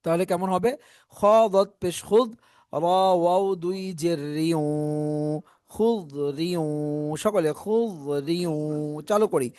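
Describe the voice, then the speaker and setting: A man teaching Quran reading. He spells out letters and vowel marks slowly, then stretches the words into drawn-out chanting for his class to repeat. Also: sits high, dark tone, no echo, clean studio sound. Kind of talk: spelling out and drilling recitation.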